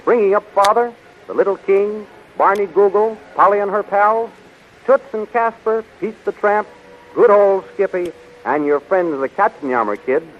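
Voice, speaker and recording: A man narrating as a 1930s radio announcer, theatrical, grandiose and enthusiastic. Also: high-pitched. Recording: muffled, hissy 1930s radio recording.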